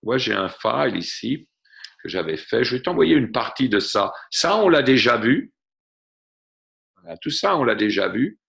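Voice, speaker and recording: Bright-toned man tutoring online. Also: medium pitch, very animated, normal speed, vocal fry. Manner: explains patiently, mixes in English glosses. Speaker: French tutor. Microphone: computer mic on a video call.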